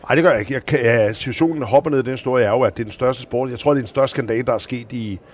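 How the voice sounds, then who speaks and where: Tidligere håndboldtræner, en mand, der fortæller levende. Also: male voice, mid-range voice. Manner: animated, acts out quoted voices in anecdotes. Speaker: former handball coach. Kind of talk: anecdotal interview storytelling.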